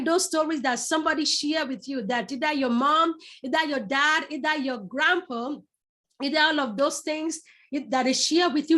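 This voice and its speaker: A middle-aged woman from Nigeria with a Yoruba accent leads a public speaking masterclass, talking straight to her audience. Her voice sits high, and she stresses her points by repeating words several times over. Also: a bit bright. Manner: repeats words for emphasis, addresses the audience directly. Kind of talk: live online masterclass.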